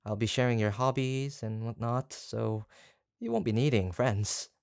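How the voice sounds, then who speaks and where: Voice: medium pitch, lively intonation, measured pace, vocal fry, no echo, studio quality. A performer playing an obsessive, lovestruck yandere kidnapper in a roleplay audio drama, hesitant and rambling as they dote on the listener. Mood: smitten, possessive. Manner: hesitant, rambling, soft-spoken menace with nervous chuckles.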